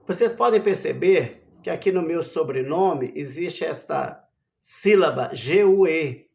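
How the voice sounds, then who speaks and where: A Brazilian man teaches a literacy lesson at an unhurried, measured pace. His voice sits fairly high for a man, and he spells out letters one by one and checks in with rhetorical questions. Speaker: Portuguese language teacher.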